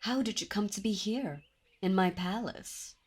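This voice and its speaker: A woman's voice: mid-range voice, a little slow, husky. A woman voicing a commanding, seductive demon princess in an ASMR roleplay, speaking in a teasing, imperious and intimate way. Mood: intrigued.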